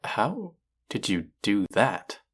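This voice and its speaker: Casting: male actor as arrogant chef with a low voice, sardonic and needling, secretly fond of his rival, for intimate audio roleplay. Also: very animated, takes it slowly, fairly bright tone, breathy edge, full character voice. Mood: grudging admiration. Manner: teasing, sardonic, condescending. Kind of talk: intimate audio roleplay acting addressed to listener.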